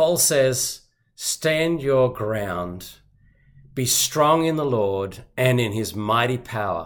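The recording is very clean, with a silent background. A man talks at a very slow pace with lively intonation. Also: medium pitch for a man. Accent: Australian. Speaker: pastor. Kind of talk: sermon.

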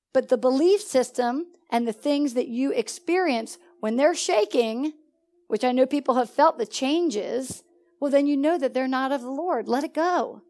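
Music plays behind a woman speaking at a moderate pace. Her voice is high, with lively intonation. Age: 40s. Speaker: Bible teacher. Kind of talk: church teaching.

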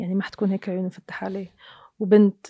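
A woman's dark, mellow voice, dry and close with no echo, on a very clean recording with a silent background. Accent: Syrian. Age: 30s. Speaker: TV presenter. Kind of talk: interview.

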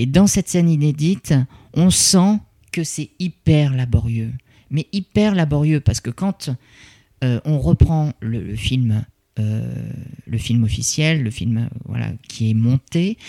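A man with a dark, mellow tone talks at a very slow pace, using lively intonation and long, frequent pauses. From France, Reims. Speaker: actor. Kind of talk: interview. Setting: at the host's home.

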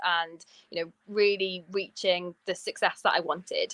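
With a Welsh accent and a medium pitch, a woman speaks at a moderate pace with fairly even intonation, the sound dry and close with no echo. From West Wales. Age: 30s. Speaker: business coach and entrepreneur. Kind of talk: casual interview chat. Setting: video call.

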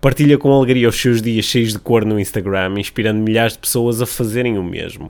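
A man at a medium pitch talks at a fairly quick pace with fairly even intonation and hardly any pauses. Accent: European Portuguese. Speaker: podcast host. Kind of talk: casual interview. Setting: studio.

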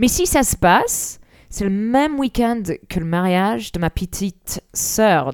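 A woman talks at a very slow pace, her voice at a medium pitch. Her intonation is lively. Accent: non-native. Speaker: former radio host, guest. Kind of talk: casual chat.

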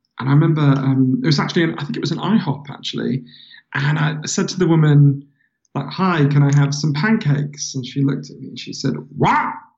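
The man's voice is somewhat breathy. He speaks at a fairly quick pace. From London, Edgware. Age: 40s. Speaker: author. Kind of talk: casual interview.

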